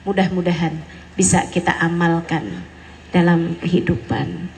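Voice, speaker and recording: A woman's voice: lowish voice, measured pace, a little mellow, a little hiss or hum, low-quality recording. A woman preacher giving a sermon to mothers, earnest and mixing in casual everyday slang. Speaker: female preacher addressing mothers.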